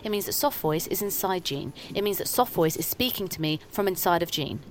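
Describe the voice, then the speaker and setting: A woman playing a nervous, eager-to-please young woman who squeals when excited. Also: lowish voice, brisk, a little hiss or hum, natural voice. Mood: defiant.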